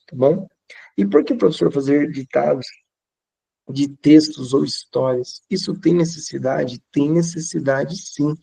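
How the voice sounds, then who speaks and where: In a dry space with no room sound, a man with a Brazilian Portuguese accent explains classroom methods to fellow teachers conversationally, repeating phrases to underline them. His voice sits high and is creaky and dark, with a breathy edge.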